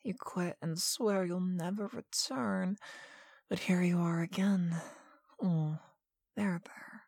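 Woman, lowish voice, very slow, soft and commanding, half-whispered hypnosis roleplay, dry close-mic sound. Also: gravelly, slightly rough, no room sound. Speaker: hypnosis audio narrator.

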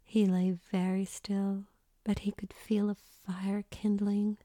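A woman reading an erotic story in a soft, unvoiced whisper close to the mic. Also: mid-range voice, level tone, takes it slowly, no room sound.

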